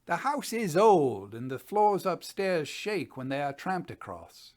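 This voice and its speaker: A man in his sixties playing a sober, methodical gentleman scientist, reading a formal report deliberately as a dramatic piece. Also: a little high, sing-song. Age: 60s. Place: indoors, small study.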